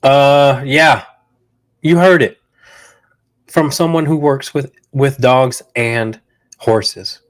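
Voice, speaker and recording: A man's voice: mid-range voice, fairly even intonation, slow pace, pauses often. A man hosting a live dog training Q&A, talking bluntly and directly in slangy speech, stuffy from a cold. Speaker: dog trainer and show host. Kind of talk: live Q&A stream.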